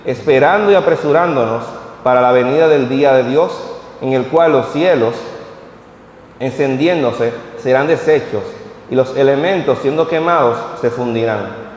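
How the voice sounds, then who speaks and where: Reading scripture and then talking plainly to the congregation, this preacher in his thirties speaks at a moderate pace in a mid-range, slightly mellow voice. The vigil takes place in an echoey church hall with long reverb, and there is slight background noise.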